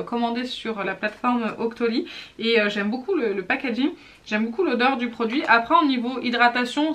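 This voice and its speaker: A French beauty vlogger in her thirties chats through a casual product review, teasing herself and raising her voice. Her fairly high, fairly bright voice comes with lots of fillers and restarts.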